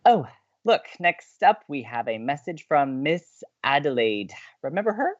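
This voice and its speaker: A woman playing an earnest, excitable young college radio co-host and romantic, in a scripted audio drama. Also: sits low, unhurried, muffled recording, exaggerated voice. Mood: wry, chatty.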